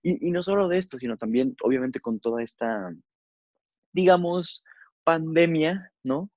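A man's voice: fairly high pitch, lively intonation, measured pace, no room sound. A young man with a Mexican accent, hosting a podcast in a casual, rambling way with lots of fillers. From Zacatecas, Mexico. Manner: chatty, rambling with many fillers. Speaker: podcast host. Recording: dull, lo-fi.

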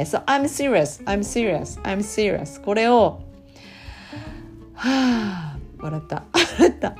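A middle-aged woman hosting a casual spoken English lesson, chatty and animated, laughing often and repeating practice phrases over and over. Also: lowish voice. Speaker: English teacher and podcast host.

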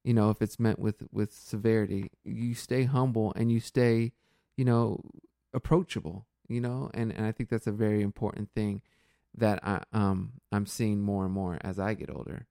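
A man's voice: fairly low pitch, steady tone, normal speed, vocal fry, warm tone, dry recording, clean studio sound. A man hosting a podcast in casual, reflective chat, thinking aloud earnestly with many fillers and restarts. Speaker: podcast host.

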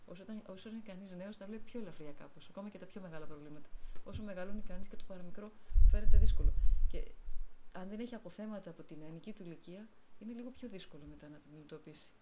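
Middle-aged woman with a very mellow voice. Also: mid-range voice, a little hiss or hum, rough recording. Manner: anecdotal and spontaneous, voicing the people in her stories. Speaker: abbess of a convent, guest speaker. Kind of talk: spoken talk on faith, told through personal stories.

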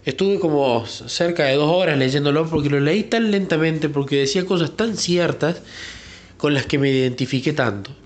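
A man's voice: fairly high pitch, normal speed. Earnest man. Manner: earnest, reflective, searching for words. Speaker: church member giving testimony. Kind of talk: personal faith testimony.

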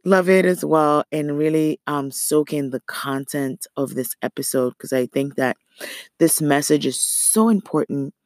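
A woman hosting a motivational solo podcast, talking in an earnest, encouraging way with a slightly hoarse, raspy voice and repeating phrases for emphasis. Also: sits low, measured pace, a little mellow, no echo, clean studio sound. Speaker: podcast host.

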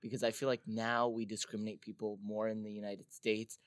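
Young man, lowish voice, thoughtful chat. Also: level tone, fairly quick, smooth, no room sound, studio quality. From Syria. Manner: thoughtful, makes his point with hedges like "I feel like". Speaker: podcast guest. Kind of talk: casual podcast chat.

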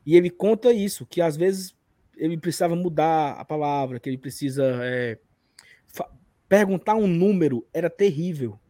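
A man's voice: on the high side, moderate pace, dark tone, dry recording, studio quality. A man with a Northeastern Brazilian accent from Ceará and an occasional stutter, casually telling personal stories as a podcast host. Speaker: podcast and live stream host.

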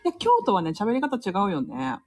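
Woman host, casual live-stream chat, husky and lively, laughs between comments. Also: mid-range voice, fairly quick. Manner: chatty, laughs often, reads comments aloud. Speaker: livestream host reading listener comments.

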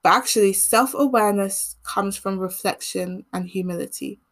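A young woman from England hosting a podcast, speaking in an earnest, measured monologue, with a voice that turns croaky as she keeps talking. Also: medium pitch. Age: teens. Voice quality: croaky voice when speaking long. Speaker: podcast host. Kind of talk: reflective solo monologue.

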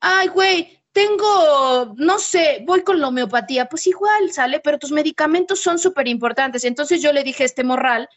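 Mexican woman, podcast host, high voice, slangy and playful. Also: normal speed, hardly any pauses. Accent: Mexican Spanish. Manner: slangy, playful, swings into lively voiced quotes. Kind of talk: casual podcast chat.

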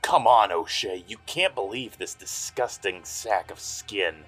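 A hard-luck private eye in a noir audio drama, gruff yet protective. His low voice is blunt and urgent, with music playing underneath. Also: unhurried, a bit bright. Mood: indignant.

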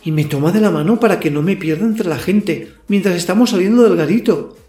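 A man's voice: sits high, brisk, dark tone, roomy sound, faint music behind, natural voice. A man playing a lustful, cocky werewolf in an audio drama, narrating his night in a crude, self-satisfied way. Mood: smitten, excited. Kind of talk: audio fiction acting with first-person narration.

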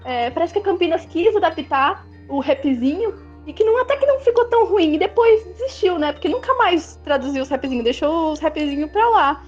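A high-voiced Brazilian woman co-hosting a livestream, giving firm, critical opinions and explaining them at length. The audio is dull and lo-fi, with faint music underneath. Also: animated, a little fast, few pauses, a little mellow. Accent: Brazilian Portuguese. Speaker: co-host. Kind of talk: casual livestream chat.

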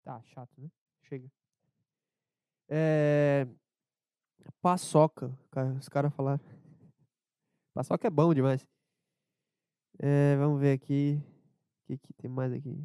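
A man with a southern Brazilian accent rambling casually as a solo podcast host, low-energy and irreverent, hungover and under the weather with a cold. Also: flat delivery, slow, long pauses, dark tone, smooth, dry recording, clean studio sound. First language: Portuguese. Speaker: podcast host and amateur comedian.

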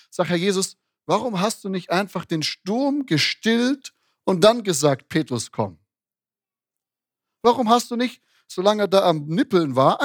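A man's voice: high-pitched, no echo. Chatty, dry-sounding male preacher. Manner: conversational, many restarts and tag questions. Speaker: pastor. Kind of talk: sermon.

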